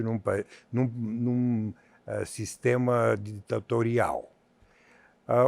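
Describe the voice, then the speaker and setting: A man in his seventies from Bulgaria, speaking with a Bulgarian accent as a guest in an interview on a theater stage, measured and halting with many fillers. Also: mid-range voice, gravelly, a little mellow, no echo. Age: 70s. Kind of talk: stage interview on a TV talk show.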